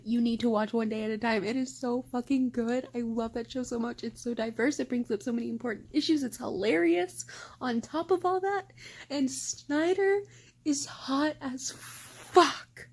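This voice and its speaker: A woman's voice: fairly high pitch, fairly even intonation, moderate pace, darkish tone. A young woman chatting casually at home in a book vlog, gushing, giggly and swearing freely. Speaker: book vlogger. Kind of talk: casual chat.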